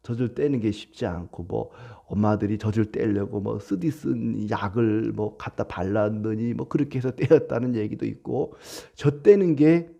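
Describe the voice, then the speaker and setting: A man preaching a sermon as a pastor, animated, with acted quotes. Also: fairly low pitch, moderate pace, gravelly, few pauses.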